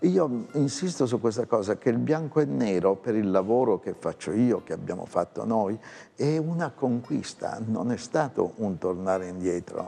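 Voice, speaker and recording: Very wide swings in pitch from a man at a medium pitch. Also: moderate pace. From Sicily. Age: 70s. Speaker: veteran photographer. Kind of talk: interview.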